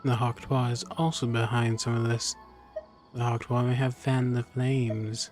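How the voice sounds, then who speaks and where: A man with a medium-pitched voice plays a game and reads his character's dialogue out loud. Soft music sits behind him. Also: level tone, unhurried. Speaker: game player.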